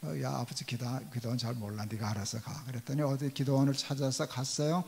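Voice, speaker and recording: Pastor preaching in a reverberant church. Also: male voice, mid-range voice, steady tone, quick pace, creaky, darkish tone. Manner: storytelling, acting out quoted dialogue. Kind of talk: sermon. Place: church sanctuary. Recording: long church hall reverb.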